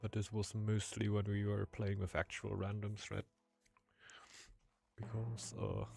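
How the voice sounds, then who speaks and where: With long, frequent pauses, a man speaks at a fairly slow pace in a fairly low, somewhat breathy voice with monotone, flat intonation. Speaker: game streamer. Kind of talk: casual gaming stream commentary. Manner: soft-spoken, near whispering.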